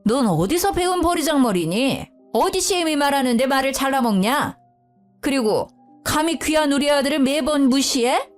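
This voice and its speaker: A woman voicing a sharp-tongued older mother-in-law who scolds her daughter-in-law with contempt. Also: sits high, animated, moderate pace, soft background music. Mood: scolding.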